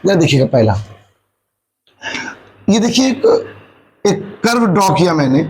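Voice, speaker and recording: High-voiced man teaching maths. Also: darkish tone, rough recording. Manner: asks and answers his own questions; mixes English maths terms into Hindi. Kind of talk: classroom lecture.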